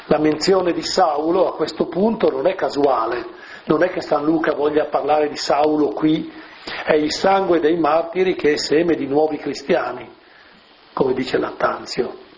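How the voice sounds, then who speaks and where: A man giving a homily on scripture in a conversational way, with rhetorical asides and soft fillers. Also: fairly high pitch, measured pace. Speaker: preacher. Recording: muffled lo-fi recording with faint hiss.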